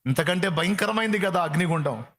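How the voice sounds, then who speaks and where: A man's voice: high-pitched, lively intonation, a little fast, fairly bright tone. A man preaching a sermon with fervor, repeating phrases for emphasis. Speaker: pastor.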